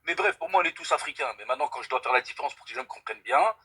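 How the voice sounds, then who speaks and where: A man's voice: medium pitch, animated, racing, sharp tone, husky. A young man from France calling in to a live stream, speaking earnestly and emphatically and swearing by God to stress his points. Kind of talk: casual debate call.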